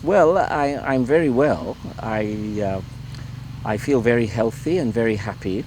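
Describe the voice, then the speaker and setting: A man's voice: medium pitch, a little slow, a little mellow, slight background noise. A middle-aged man from Ireland, a Catholic priest speaking as an interview guest at his home, hesitant and full of repeated words and fillers. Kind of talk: relaxed conversational interview.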